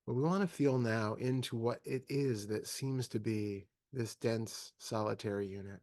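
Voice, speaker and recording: A man leading a guided meditation as a teacher, speaking calmly and in measured phrases with long pauses. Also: medium pitch, dry recording, studio quality.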